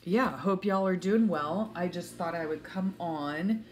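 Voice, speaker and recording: Lady doing a rambly casual vlog at home, low voice, slow and stuffy nosed, kinda hesitant. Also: a little mellow. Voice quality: congested, sniffly. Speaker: vlogger showing stationery.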